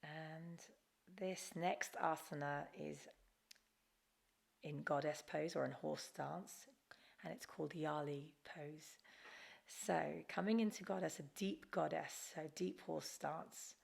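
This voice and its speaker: Female yoga instructor, gentle and encouraging, very unhurried delivery, gravelly fry in the voice. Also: sits low, fairly even intonation. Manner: gentle, encouraging, unforced guidance. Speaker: yoga teacher. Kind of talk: guided Kundalini yoga class instruction.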